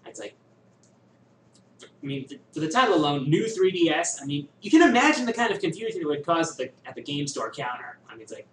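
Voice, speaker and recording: A man hosts a casual question-and-answer show, thinking aloud and pausing often as he talks. His pitch swings widely and sits a little high for a man. He is recorded a bit off the mic in an echoey room with faint ambience. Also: very animated, fairly bright tone, recorded from a distance, a little hiss or hum. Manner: musing, thinks aloud with many pauses. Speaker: host answering viewer questions. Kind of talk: casual chat.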